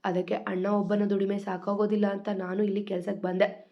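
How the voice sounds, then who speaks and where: A woman's voice: medium pitch, little pitch movement, normal speed, muffled recording, close to an everyday voice. A woman voicing a proud tearful young woman. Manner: soft, emotional.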